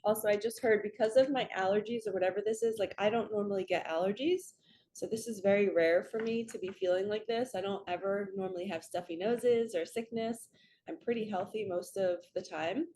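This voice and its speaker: Raspy, chatty spiritual woman. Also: mid-range voice, a little fast, warm tone. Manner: chatty, earnest, drifts into stories. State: raspy from waking up and allergies. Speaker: host, spiritual card reader. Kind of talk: casual spiritual reading vlog.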